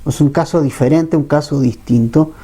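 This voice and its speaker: Mellow-voiced Chilean pastor preaching. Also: male voice, fairly high pitch, normal speed, husky. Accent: Chilean Spanish. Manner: conversational, with frequent rhetorical questions to the congregation. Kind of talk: Bible-teaching sermon.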